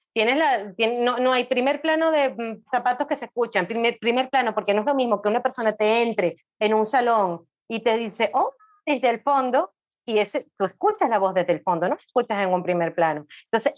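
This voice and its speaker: A woman guest explaining things casually and talkatively, often checking in with little tag questions, on a slightly dull recording. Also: a little high. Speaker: podcast guest, audiobook specialist.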